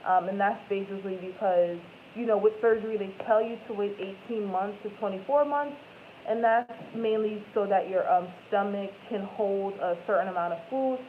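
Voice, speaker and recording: A woman in her twenties hosts a live stream, chatting casually with viewers in a medium-pitched voice at a moderate pace. She rambles and corrects herself, saying "like" and "um" a lot, and the audio sounds tinny and phone-like with faint noise.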